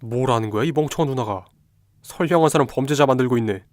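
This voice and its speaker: A man's voice: medium pitch, fast talker, no room sound, studio quality, natural voice. A man playing a blunt, hot-tempered young student detective in a radio drama, brusque and sarcastic. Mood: irritated. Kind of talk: fast radio drama dialogue.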